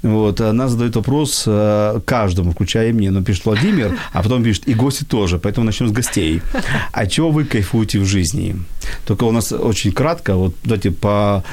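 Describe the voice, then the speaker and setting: A man's voice: on the low side, a little fast, darkish tone, slight background noise. A man with a Belarusian accent hosting a casual live discussion, restating his points for emphasis as he goes. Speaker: host. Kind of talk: casual live discussion, answering viewer questions.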